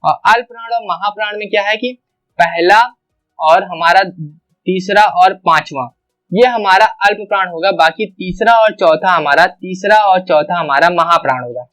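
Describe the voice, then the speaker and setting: High-voiced man teaching a grammar lesson. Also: moderate pace, fairly bright tone, soft background music. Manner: explains step by step, repeating sounds aloud as examples. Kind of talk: online exam-prep grammar lesson.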